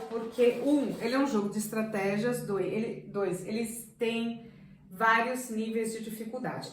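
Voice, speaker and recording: A woman teacher telling a classroom story to viewers, animated and talking to them directly. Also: high-pitched. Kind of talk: educational video talk. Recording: echoey room, voice from a distance.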